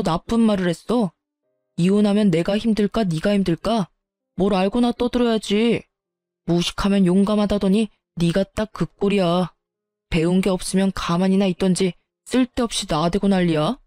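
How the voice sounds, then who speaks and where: A woman's voice: mid-range voice, dark tone, no room sound, lightly acted. A woman narrator voicing a smug, contemptuous husband who talks down to his wife with dismissive insults.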